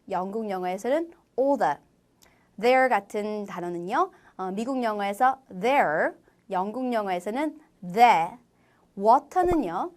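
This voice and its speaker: A woman gives an online English listening lesson in a slightly raised register. She explains step by step and carefully models each example word in two versions. Her tone stays clear and orderly, suited to a recorded class. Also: on the high side. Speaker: IELTS listening teacher. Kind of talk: online lecture.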